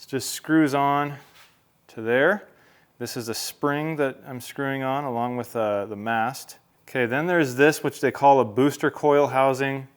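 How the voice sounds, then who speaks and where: Clear-voiced man casually demonstrating gear. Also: medium pitch, dry recording. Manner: informal, chatty, explaining as he goes. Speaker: vlog host. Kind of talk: casual hands-on product demo to camera.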